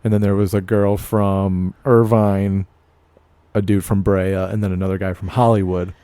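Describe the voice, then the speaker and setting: A man's voice: low-pitched, flat delivery, normal speed, dark tone, smooth, no room sound. A young adult man, a stand-up comedian co-hosting a podcast, talking in a loose, rambling way. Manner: rambling, loose with fillers and swearing. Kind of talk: casual chat.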